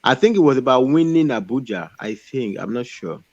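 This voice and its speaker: A Nigerian-accented man argues in a group debate at a middle pitch, repeating his point. The recording is very dry and rather dull. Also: expressive, a little fast, darkish tone, no room sound. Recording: dull, dry online call audio.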